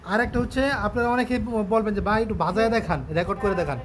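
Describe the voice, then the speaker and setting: A man with a Bangladeshi accent giving a casual product demonstration and sales pitch, explaining step by step and often repeating himself. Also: fast talker, a crowd in the background. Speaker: shop seller presenting a product on his channel.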